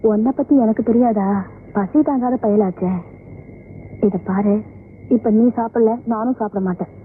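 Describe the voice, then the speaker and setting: An actress playing a poor village woman who gently scolds and coaxes her younger brother to eat. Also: on the high side, moderate pace, a little hiss or hum, natural voice. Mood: coaxing. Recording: tinny old film soundtrack with music.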